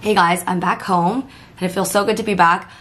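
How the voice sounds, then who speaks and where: A young woman chatting casually to camera in a vlog, her voice hoarse and worn after days of nonstop talking, upbeat, with lots of "like" fillers. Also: fairly low pitch, fairly even intonation, fairly quick, loud music behind the voice. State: hoarse, voice partly lost. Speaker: lifestyle vlogger. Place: hotel room and home bedroom, indoors. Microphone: camera facing her at arm's length.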